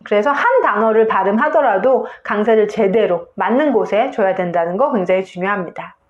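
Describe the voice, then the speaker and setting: A woman's voice: mid-range voice, a little fast, echoey room, lo-fi sound. A woman English teacher giving a video lesson on pronunciation, explaining step by step and saying example words aloud.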